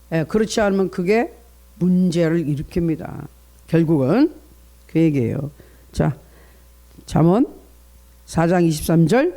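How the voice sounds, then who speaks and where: A man's voice: sits high, a little mellow. A middle-aged male pastor giving an early-morning prayer sermon, preaching earnestly and reading scripture aloud. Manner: earnest preaching, reads scripture aloud, acts out parents' inner voices.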